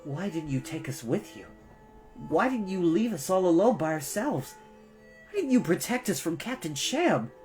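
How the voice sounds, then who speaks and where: A woman's voice: on the low side, very animated, normal speed, a little mellow, faint music behind, pitched above the performer's own voice. A woman playing an earnest, reasoning storybook boy. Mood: reproachful. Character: earnest, reasoning boy, bookish middle brother.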